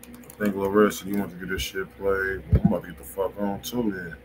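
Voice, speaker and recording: Deep-voiced man over noisy room sound. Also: flat delivery, brisk. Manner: slangy, profane. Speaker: music review show host. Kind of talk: casual livestream chat. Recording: clearly noisy room ambience.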